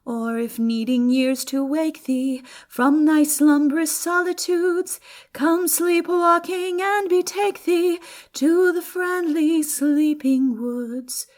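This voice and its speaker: A woman performing a lovelorn young man in an audiobook, singing slow, drawn-out verse with melodic yearning. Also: sits high, steady tone, a little mellow, faint music behind, voice pushed up. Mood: gentle pleading.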